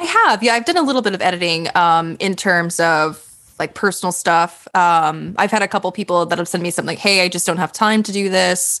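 A normal speaking voice with fairly even intonation moves at a fairly quick pace with hardly any pauses. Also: woman, medium pitch for a woman. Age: 30s. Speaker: voice actor and virtual assistant. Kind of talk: casual chat.

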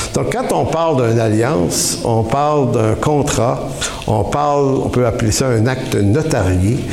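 A man with a Quebec accent at a medium pitch, fairly slow pace, ordinary pitch variation, very even loudness, and noticeable background noise. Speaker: preacher. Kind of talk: sermon, teaching from scripture. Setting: church. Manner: earnest, conversational, with hesitations and self-corrections; didactic, explaining step by step.

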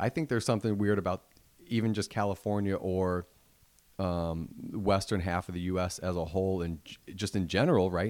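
With an American accent, a man talks at a fairly quick pace and a very deep, low pitch. His intonation stays fairly even. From Chicago. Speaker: comedian. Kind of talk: casual chat.

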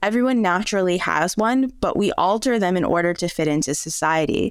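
A woman's normal speaking voice, medium in pitch, at a moderate pace with ordinary pitch variation. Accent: American. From US Michigan. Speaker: remote work consultant and author. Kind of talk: casual interview.

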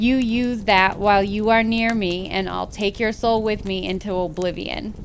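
A female-sounding put-on character voice growls at a medium pitch and a moderate pace over clear background noise. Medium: read story. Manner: menacing, growling.

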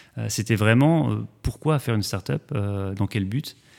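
Fairly low in pitch and fairly slow in pace, a man speaks with lively intonation. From France, Vosges. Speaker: startup founder, former researcher. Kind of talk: interview. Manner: hesitant, many fillers.

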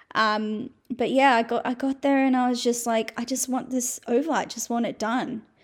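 In a very clean recording with a silent background, a woman with a high pitch talks at a moderate pace in a monotone, flat intonation, hardly pausing at all. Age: 30s. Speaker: IVF patient sharing her story. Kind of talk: personal testimony.

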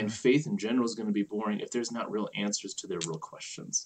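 His intonation is lively. The man's pitch is medium. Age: 30s. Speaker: youth pastor. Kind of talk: casual interview. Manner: halting.

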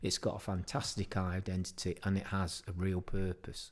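A man with a fairly low pitch talks at a fairly slow pace on a very clean recording with a silent background. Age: 70s. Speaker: life coach and former teacher. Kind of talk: casual interview conversation.

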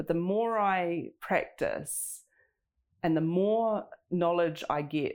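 A woman with a New Zealand accent speaks at a very slow pace in a fairly low pitch, with ordinary pitch variation. The recording is very clean, with a silent background. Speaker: nutritionist. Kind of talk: casual chat.

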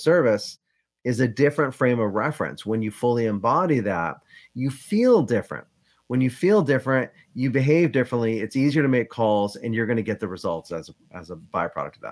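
A man with an American accent and a normal speaking voice, medium pitch, lively intonation and a fairly quick pace, in a very clean recording with a silent background. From upstate New York. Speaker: communication coach. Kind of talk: interview.

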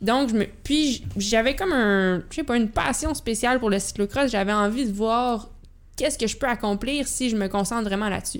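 With an unremarkable speaking voice, a woman at fairly high pitch talks at a moderate pace, showing ordinary pitch variation and very even loudness. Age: 20s. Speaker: pro cyclocross racer. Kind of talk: casual interview chat.

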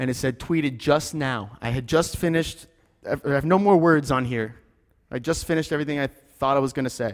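A man talks at a fairly quick pace with ordinary pitch variation. He has an ordinary speaking voice, pitched fairly high. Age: 30s. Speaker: pastor. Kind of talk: sermon.

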